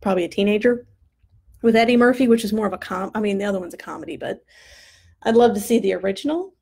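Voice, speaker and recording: A woman's voice: medium pitch, fast, vocal fry, darkish tone, husky. A woman in her thirties giving a live critique of student posters, chatty and enthusiastic, her voice tired and starting to crack. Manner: chatty, enthusiastic, thinking aloud. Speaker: design instructor reviewing student posters. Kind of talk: live-stream design critique.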